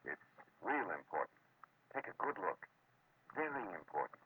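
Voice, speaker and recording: Low-voiced hard-boiled American private eye. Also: male voice, very animated, normal speed. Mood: urgent. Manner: terse, wisecracking, hard-boiled. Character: tough, quick-witted hard-boiled male private detective. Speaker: detective narrator and lead. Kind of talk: 1940s American radio detective drama acting. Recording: noisy, narrow-band old radio recording.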